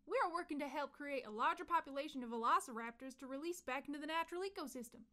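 A woman's voice: sits high, rapid-fire, bright, forceful tone. A woman playing a scheming, grandiose scientist villain in a comedic audio drama. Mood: smooth persuasion. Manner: grandiose, falsely reassuring, blunt. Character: scheming, theatrical female velociraptor scientist villain.

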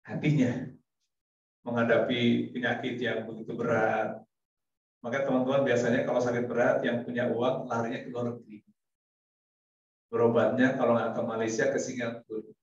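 A man giving a casual sermon to a congregation, chatty, laughing often and acting out little dialogues. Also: medium pitch. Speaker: preacher. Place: mosque hall. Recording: echoey hall from far off, dull sound.

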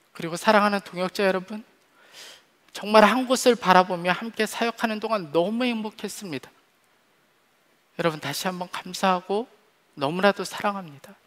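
A man in his forties preaches from a church stage with a noticeably high voice. He is earnest and heartfelt, pressing some words hard and letting others drop soft. His voice rings out into a long hall reverb. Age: 40s. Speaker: pastor. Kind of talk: sermon. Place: church stage behind a podium. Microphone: headset mic.

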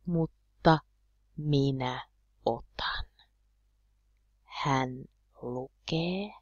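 Slow, deliberate low-voiced woman teacher. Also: no room sound, highs cut off. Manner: slow, deliberate, repeating words clearly for learners. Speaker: Finnish language teacher. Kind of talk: slow language lesson.

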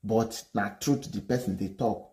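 Nigerian guy ranting at his viewers, kinda low voice, preachy vlog commentary. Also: moderate pace, warm tone. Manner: lecturing, mixes Pidgin into English. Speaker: vlogger. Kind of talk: opinion commentary.

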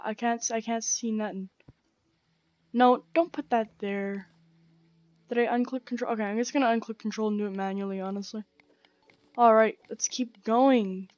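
A young woman with a croaky, sore throat, rambling casually as she plays and comments on a game, full of slang and fillers. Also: medium pitch, darkish tone, no room sound, dull audio. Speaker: gaming channel host. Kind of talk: casual let's-play commentary. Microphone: gaming headset.

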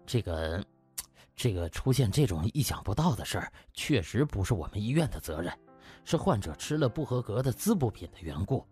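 A man voicing a hesitant, evasive male hospital director in an audiobook, speaking haltingly. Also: fairly low pitch, sing-song, darkish tone, breathy edge, soft background music, pitched below the performer's own voice. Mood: awkward, apologetic.

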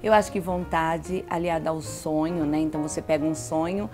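A woman's voice: deep voice, fairly even intonation, brisk, over music. A woman on a talk-show panel, encouraging and agreeing with the others. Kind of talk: casual talk-show conversation. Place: living-room studio set.

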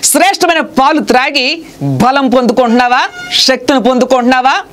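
Fervent woman preacher, lively pitch. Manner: fervent, punctuated with repeated hallelujahs and rhetorical questions. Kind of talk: sermon.

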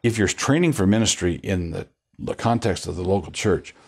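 An older man, a pastor, talking in a relaxed studio interview, wandering through his points with restarts and a wry chuckle, on a lapel mic. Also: sits low, a little fast, slightly rough. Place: studio set with bookshelves.

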